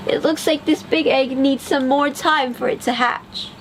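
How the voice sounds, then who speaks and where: A woman playing a high, motherly mama duck. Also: steady tone, measured pace, a little hiss or hum. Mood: gentle. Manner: motherly, stern when scolding. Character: caring mother duck, firm but loving.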